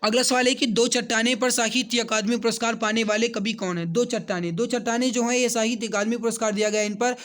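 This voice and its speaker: A man's voice: very high voice, fairly even intonation, fast, hardly any pauses, a bit bright. A man teaching an online exam coaching lesson, walking through questions, repeating answers for emphasis and addressing viewers directly.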